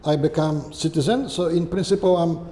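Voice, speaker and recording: An older man with a Polish accent, answering interview questions in a halting way and often checking in with "okay?" or "right?". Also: fairly high pitch, fairly even intonation, warm tone. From Poland. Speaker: guest. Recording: echoey room with long reverb and faint hiss.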